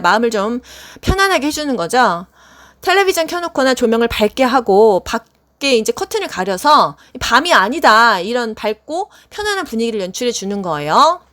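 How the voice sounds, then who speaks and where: A woman's voice: a little high, fairly bright tone. A woman giving a casual spoken exam-prep lecture, chatty, asking questions and answering them herself. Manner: chatty, asks and answers her own questions.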